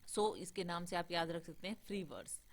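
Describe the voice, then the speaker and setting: Woman lecturer, low-pitched voice, hesitant with fillers, mixes English terms in. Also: normal speed. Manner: hesitant, many filler sounds and restarts. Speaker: teacher. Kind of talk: online class lecture.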